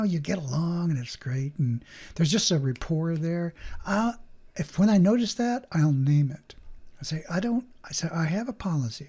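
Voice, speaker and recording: Man, podcast host, solo talk, earnest coaching tone, animated, plays out both sides of conversations. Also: high-pitched.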